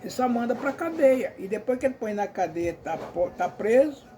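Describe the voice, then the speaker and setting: A man's voice: very high-pitched, animated, normal speed, warm tone, a little hiss or hum. A Brazilian man giving an emphatic, repetitive commentary monologue, often calling out to his listeners.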